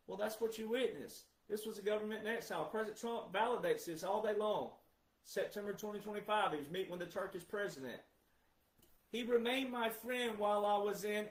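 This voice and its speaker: A man's voice: sits high, roomy sound, poor audio. Emphatic man asking rhetorical questions. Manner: emphatic, asks rhetorical questions then answers them; repeats key words for stress. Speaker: commentator. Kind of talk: monologue commentary.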